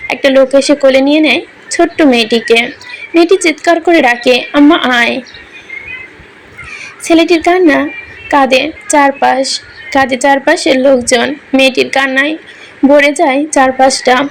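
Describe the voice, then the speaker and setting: A woman storyteller reading a romantic drama aloud with emotional, melodramatic weight. Her voice sits high, and a faint hum of room ambience runs beneath. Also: normal speed. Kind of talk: scripted narration of a romantic story.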